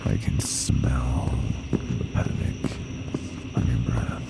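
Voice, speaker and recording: An extremely low, heavily creaking monster taunts its human prey in a horror ASMR roleplay. It is sadistic and playful, slipping into breathy whispers as it savors each menacing line, with clear noise behind the voice. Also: male voice, monotone, takes it slowly, full character voice. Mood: taunting, gleeful. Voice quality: gravelly, breathy, often whispering.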